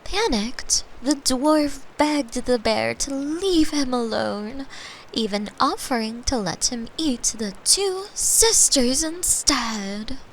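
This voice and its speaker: A woman playing a caring, gently teasing girlfriend, telling a soft bedtime story with unhurried delivery and playful asides. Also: high voice, lively intonation, slight background noise, heavily acted, poor audio. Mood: gentle, soothing. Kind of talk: soft bedtime storytelling, sleep-aid roleplay.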